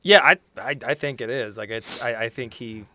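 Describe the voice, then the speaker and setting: A man chatting casually as a player in a tabletop game, with hesitant, halting phrasing. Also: medium pitch, pushed and bright, no echo. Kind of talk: casual chat.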